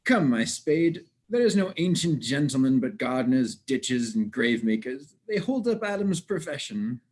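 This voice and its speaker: Man acting a jesting gravedigger, lively swooping pitch. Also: normal speed, slightly rough. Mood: teasing, cocky. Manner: theatrical, teasing, mock-argumentative. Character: jesting gravedigger, cheerful blunt male working man. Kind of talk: Shakespeare dramatic reading.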